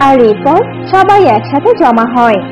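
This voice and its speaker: A woman tells a cartoon fable in scripted storybook narration. Her voice is very high, and music plays clearly behind her. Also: sing-song, moderate pace.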